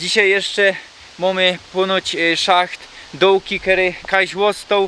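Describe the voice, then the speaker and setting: Over noticeable background noise, a man with a Silesian accent uses a raised, projected voice, high in pitch, at a fairly slow pace. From Katowice, Upper Silesia. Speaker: travel vlogger. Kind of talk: casual talk to camera.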